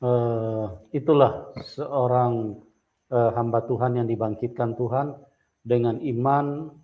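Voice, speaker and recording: Measured male host with muffled sound. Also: medium pitch. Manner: slow, measured, with many hesitations. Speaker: interview host. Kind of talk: interview, steady backchannel.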